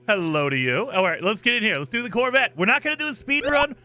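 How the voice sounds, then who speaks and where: A man's voice: sits high, very animated, quick pace, sharp tone, faint music behind. A man streaming a game live, upbeat and chatty, thanking viewers by name and explaining the rules, his voice a little scratchy from days of streaming. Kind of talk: casual live-stream chat and gameplay commentary.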